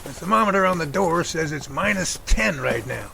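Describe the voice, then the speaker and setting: A man's voice: on the high side, lively intonation, moderate pace, creaky, pushed and bright, a little hiss or hum, heavily acted. A man playing a genial, folksy older professor in an amateur audio drama.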